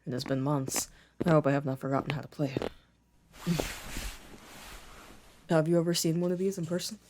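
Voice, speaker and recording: A man playing a gentle, introspective boyfriend in an intimate ASMR roleplay, soft-spoken with careful, formal wording. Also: medium pitch, natural voice. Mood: modest, chatty. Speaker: audio roleplay voice actor.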